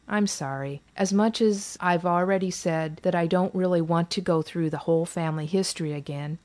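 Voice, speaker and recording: A woman's voice: fairly low pitch, natural voice. A woman reading the lines of a weary, sarcastic mother who is defensive and exasperated about repeating her family history in therapy.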